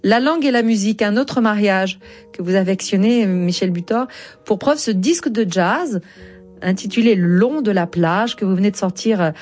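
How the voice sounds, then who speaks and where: A woman's voice: mid-range voice, moderate pace, a little mellow, faint music behind. A woman interviewer who guides the conversation, summing up and rephrasing her guest's points. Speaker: radio interviewer. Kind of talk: interview questions.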